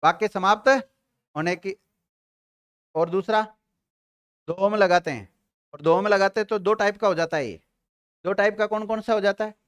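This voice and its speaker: A man teaching a grammar class to students, asking questions and answering them himself, and dictating notes slowly with repeated phrases. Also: high-pitched, fairly bright tone, smooth. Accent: Rajasthani Hindi.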